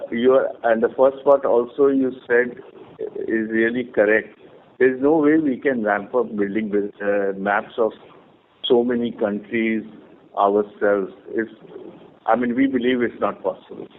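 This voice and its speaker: Executive on a tinny phone line. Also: male voice, medium pitch, fairly even intonation, a little hiss or hum. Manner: measured, explanatory, with restarts. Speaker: company executive answering analysts. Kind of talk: earnings call answers.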